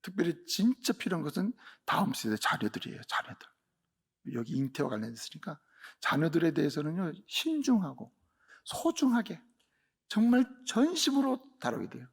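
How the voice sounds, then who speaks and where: A male pastor delivers a sermon in a somewhat high voice with a gravelly, husky edge. He preaches emphatically, pressing some lines loudly and dropping others low. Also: very animated, normal speed. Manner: emphatic preaching, swings from loud to hushed.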